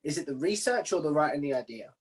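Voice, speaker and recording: A man's voice: a little high, animated, fast talker. A man hosting a casual interview, putting his questions together informally as he speaks. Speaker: interviewer, podcast host.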